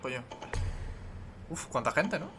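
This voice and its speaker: Chatty streamer man, lively voice. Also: fairly high pitch, a little slow, background noise. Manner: chatty, self-interrupting, swears casually. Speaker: gaming streamer. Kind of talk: casual let's-play chat.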